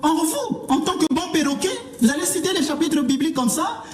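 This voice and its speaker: A man with a very high voice talks quickly in a roomy, echoing space. He argues like a lecturing clergyman in a televised debate, with a reproachful edge. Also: expressive. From Africa.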